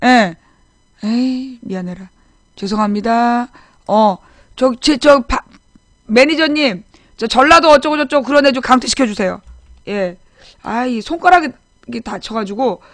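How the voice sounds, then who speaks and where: On a casual live stream, a political talk show host in her forties recalls her childhood, rambling and restarting often while reading viewer names aloud. Her voice is on the high side and unhurried, with long pauses, recorded at studio quality without echo.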